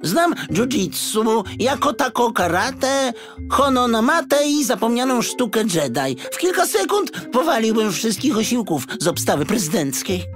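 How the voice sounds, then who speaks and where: A man's voice: very high voice, sing-song, a little slow, a bit bright, soft background music, voice pushed up, exaggerated voice. A man voicing a boastful, jittery talking rat, a cheeky sidekick in a children's audiobook. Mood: indignant boasting. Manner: cheeky, stammering when flustered.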